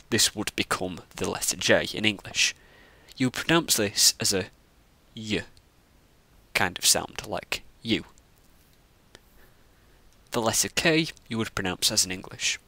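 A man teaching the Latin alphabet, explaining each letter slowly and carefully. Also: fairly low pitch, pushed and bright, no room sound. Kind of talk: scripted lesson narration.

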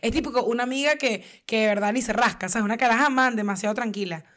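A young woman with a Venezuelan accent telling a story in casual podcast chat, animated and slangy. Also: a little high, fast. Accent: Venezuelan Spanish. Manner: animated, slangy, acts out quotes loudly. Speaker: podcast co-host.

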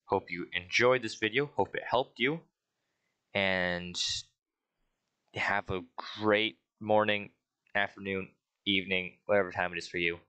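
A man's voice: low voice, measured pace, long pauses, bright, forceful tone, clear, resonant tone, dry recording, dull audio. A man giving a casual spoken tutorial, rambling a little as he reads out settings. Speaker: tutorial creator.

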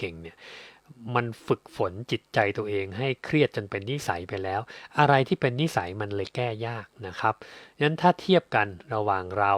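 Middle-aged man, mid-pitch, dry close sound; chatty advice host who slips into quoted voices. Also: dry recording. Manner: chatty, tag particles, acts out quoted lines. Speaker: advice host answering listener questions. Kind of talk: casual spoken advice talk.

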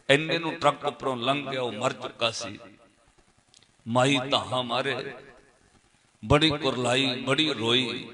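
A male preacher telling a story in a sermon, dramatic, swinging between loud and hushed. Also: medium pitch.

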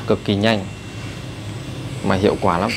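A man with a Northern Vietnamese accent giving a brisk, chatty hands-on haircut tutorial in a barbershop. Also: lowish voice, fairly even intonation, gravelly, background noise. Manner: brisk, chatty, addresses viewers as brothers. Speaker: barber instructor. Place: barbershop indoors.

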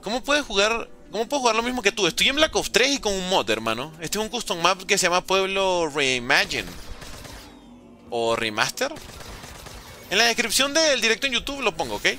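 Animated Venezuelan man streaming games. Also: high-pitched, a little hiss or hum. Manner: lively, banters with chat, talks fast in bursts. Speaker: gaming streamer. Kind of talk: live gameplay commentary reading chat.

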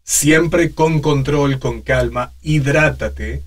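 Middle-aged man teaching, mid-pitched voice. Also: drawn-out words. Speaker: voice actor teaching a tutorial. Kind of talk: informal instructional talk. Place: small home voice studio, indoors.

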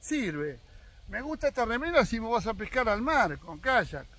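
Older Argentine man, 60s, fishing vlogger; bright, animated, opinionated straight-to-camera talk. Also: very high voice, normal speed. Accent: Argentine Spanish. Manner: opinionated, talks straight to viewers. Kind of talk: casual opinion monologue. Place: outdoors on his own rural land.

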